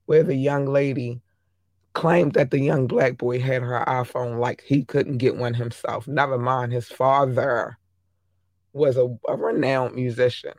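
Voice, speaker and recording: A hoarse man from the United States giving emphatic casual commentary into his own desk mic, repeating words, swearing and pushing louder on his key points. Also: mid-range voice, no echo. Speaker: vlogger commenting on a news clip. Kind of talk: casual talk-to-camera commentary.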